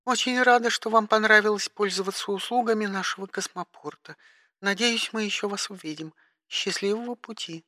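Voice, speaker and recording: A man's voice: sits high, brisk, sharp tone, no room sound, clean studio sound, pitched above the performer's own voice. A man doing a prim female space dispatcher. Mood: officious. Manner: formal, icily courteous.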